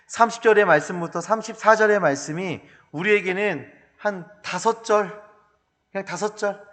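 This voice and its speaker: A male pastor preaching a sermon in an animated, humorous storytelling manner, recorded in a church hall. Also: sits high.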